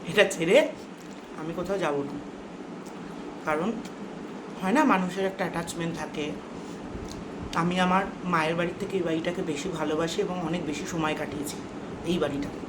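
A woman chats casually and confidingly as she eats, rambling along with food often in her mouth. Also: fairly low pitch. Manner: talks while eating, mouth often full. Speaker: vlogger. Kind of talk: casual mukbang chat. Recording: roomy echo, clearly noisy background.

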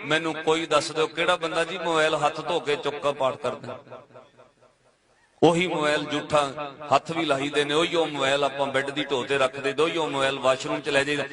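A man's voice: on the high side, flat delivery, a little fast. A man preaching to a live congregation in a Punjabi accent, exhorting his listeners with direct questions and playful asides. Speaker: Sikh preacher. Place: gathering with a crowd. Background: crowd responding.

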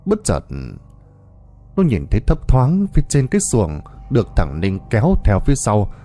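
A man narrating a scripted horror story in a dramatic, expressive way. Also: medium pitch, normal speed, faint music behind.

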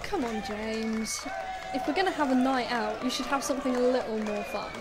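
A woman's voice: fairly high pitch, normal speed, close to an everyday voice. A woman playing a laid-back, teasing young student in an audio drama. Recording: busy crowd and music behind voice.

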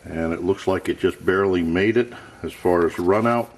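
Here a low-pitched man talks at normal speed while trying out a camping stove in his messy home workshop. Staying off camera, the gear tester muses aloud in a simple, matter-of-fact tone.

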